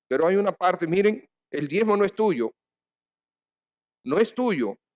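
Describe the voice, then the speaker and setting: The delivery is fairly slow with lively intonation. The sound is dry and close, with no echo. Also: man, high pitch for a man. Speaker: pastor. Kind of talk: sermon. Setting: church.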